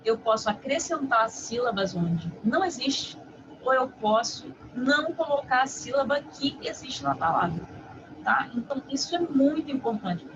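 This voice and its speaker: A woman's voice: sits high, moderate pace. Didactic woman teacher, muffled recording. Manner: didactic, constantly checks understanding with tag questions. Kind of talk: online lesson. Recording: muffled with steady background noise.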